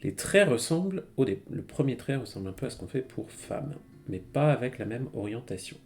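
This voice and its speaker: Mellow-voiced man teaching casually. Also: mid-range voice, very animated, a little fast, vocal fry, slight background noise. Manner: chatty, many fillers, laughs while explaining. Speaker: Japanese teacher. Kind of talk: casual live-stream lesson. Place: home streaming setup.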